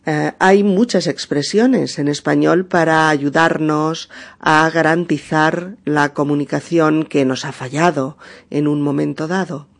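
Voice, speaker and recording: This podcast teacher has a Spain Spanish accent and talks at an unhurried, very slow pace. Key expressions are repeated carefully for learners, with small fillers and gentle check-ins between them. The voice sits at an average pitch and sounds patient and methodical. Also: steady tone, creaky. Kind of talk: slow, clearly spoken teaching narration.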